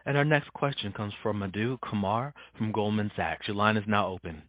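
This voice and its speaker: A man with a lowish voice reads routine operator announcements on a conference call. The sound is very dry and a little dull. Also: brisk, no echo.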